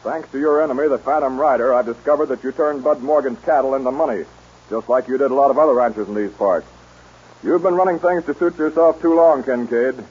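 An actor playing a calm, dry undercover marshal with a husky voice in a 1940s radio drama. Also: male voice, mid-range voice, brisk, lightly acted. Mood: cool. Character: cool male undercover marshal posing as a gunhand. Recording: tinny old radio recording.

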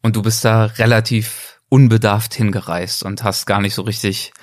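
A man's voice: lowish voice, flat delivery, normal speed, dry recording, studio quality. A male interviewer asking long, carefully framed questions.

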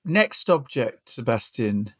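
A man's voice: mid-range voice, very animated, slow, a bit bright, slightly rough, no room sound, studio quality. Courteous male podcast host. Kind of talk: interview questions.

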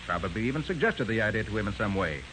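An actor playing a shrewd, confident male private detective with an American accent in a 1940s radio crime drama, explaining things in an assertive, deliberate way. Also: lowish voice, animated, close to an everyday voice. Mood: confident, accusing. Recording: noisy 1940s radio recording.

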